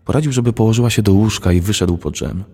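A man narrating a children's storybook in a measured, expressive reading. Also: fairly low pitch, husky. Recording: long hall reverb.

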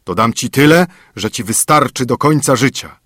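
A man voicing a huge, boastful male spirit in a storybook reading, with a husky, booming, menacing delivery. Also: expressive, normal speed, fairly bright tone, no room sound, clean studio sound. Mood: coaxing.

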